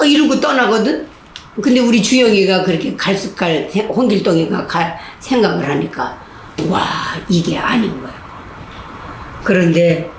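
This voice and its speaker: An older woman, a Catholic nun, telling stories, acting out the voices of the people in them. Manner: animated, acts out voices of inmates and guards with big pitch jumps. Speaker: Catholic nun giving a laughter-therapy talk. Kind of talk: lively storytelling lecture. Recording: echoey hall with faint noise.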